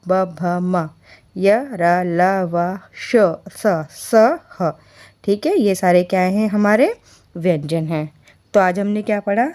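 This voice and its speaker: A woman teaching a beginner Hindi lesson, patiently repeating key points, asking learners questions and sounding out letters slowly and clearly. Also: medium pitch, mellow. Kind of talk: basic Hindi alphabet lesson.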